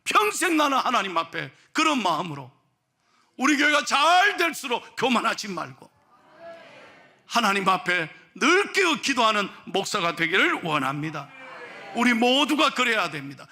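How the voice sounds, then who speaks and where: A pastor delivers an animated sermon with a storytelling flow. His high voice sounds bright and gravelly, and his pitch swings widely. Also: moderate pace.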